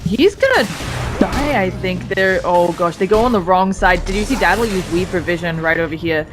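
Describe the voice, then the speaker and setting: A woman's voice: fairly low pitch, normal speed. A woman giving live esports commentary and analysis in a conversational, analytical way. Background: game music.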